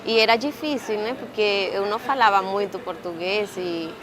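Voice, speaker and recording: A Venezuelan woman in her twenties with a Venezuelan Spanish accent, speaking Portuguese as a second language and telling her own story with pauses as she searches for words. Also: medium pitch, crowd noise. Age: 20s. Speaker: interviewee. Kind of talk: casual personal account.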